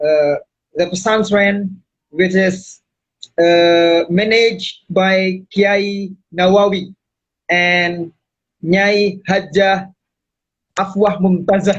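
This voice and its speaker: A man with an Indonesian accent speaks in a high pitch with monotone, flat intonation and very even loudness. His pace is very slow, with long, frequent pauses. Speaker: Islamic boarding school member. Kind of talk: live interview chat. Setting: Instagram live video call. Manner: halting.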